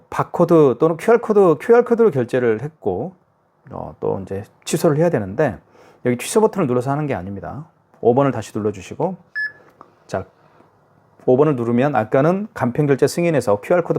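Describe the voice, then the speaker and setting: A product demonstrator with a medium-pitched, slightly mellow voice walks the viewer through a casual tutorial, narrating each step and checking in as he goes. He's chatty and often says "자" and "그죠?". Faint hiss and device clicks can be heard.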